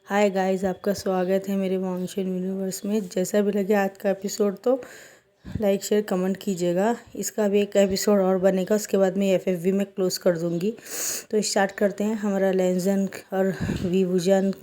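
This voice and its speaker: A woman's voice: medium pitch, warm tone. A woman casually retelling a fan fiction story as a chatty channel host. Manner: chatty, informal narration.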